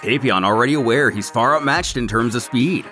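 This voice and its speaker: A man's voice: mid-range voice, fairly quick, pushed and bright. A man narrating a scripted story recap in the manner of a dramatic retelling, with music behind him. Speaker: narrator of a fan comic series.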